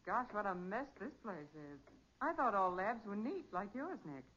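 An actress playing an eager, curious detective's assistant in a 1940s radio crime drama, with a breezy, inquisitive, slangy manner. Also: female voice, medium pitch, sing-song, moderate pace, fairly bright tone, husky. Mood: startled. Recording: muffled vintage 1940s radio recording.

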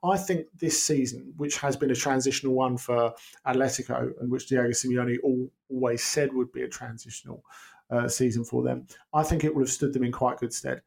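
A man's voice: mid-range voice, fairly even intonation, a little fast, vocal fry, a little mellow. A man giving casual football analysis on a podcast, thinking aloud with frequent restarts and ums. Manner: hesitant, many restarts and ums. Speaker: football pundit guest.

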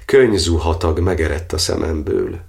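An actor playing a grave, anguished Catholic cardinal, declaiming a verse monologue in a solemn, measured cadence for a radio play. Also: male voice, rumbling low, lively intonation, vocal fry, a little mellow, reverberant, full character voice. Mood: sorrowful, solemn.

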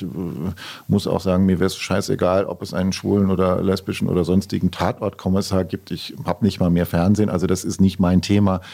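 A man's voice: low-pitched, gravelly, mellow. A man in his sixties, a film distributor answering interview questions bluntly, with many hesitations.

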